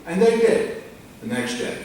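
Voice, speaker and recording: An older man from Long Island, speaking bluntly and loudly to a town board during public comment. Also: high-pitched, sing-song, measured pace, a little hiss or hum. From Long Island, New York. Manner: blunt, complaining, loud. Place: large echoey public meeting room. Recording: echoey room audio from far off.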